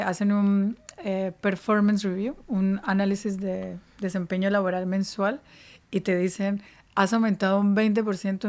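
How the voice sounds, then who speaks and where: Flat-toned woman giving career advice. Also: medium pitch. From Spain. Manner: explanatory, evenly paced answers. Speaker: podcast guest, career advisor. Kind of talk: interview podcast.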